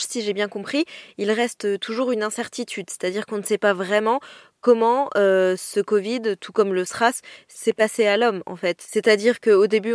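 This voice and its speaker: A woman's voice: medium pitch, no room sound, clean studio sound. A woman co-hosting a podcast for children, explaining things in casual, conversational speech. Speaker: podcast co-host.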